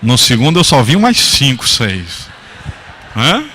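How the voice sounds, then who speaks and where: A man's voice: mid-range voice, huge pitch swings, unhurried, bright, forceful tone, slight background noise. A man pastor preaching a sermon, telling humorous stories and putting questions to the congregation. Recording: church hall reverb.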